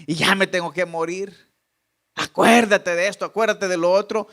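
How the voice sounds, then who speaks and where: Man acting out a dying king, tearful and pleading, low hushed voice, sermon retelling. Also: fairly even intonation, moderate pace, vocal fry.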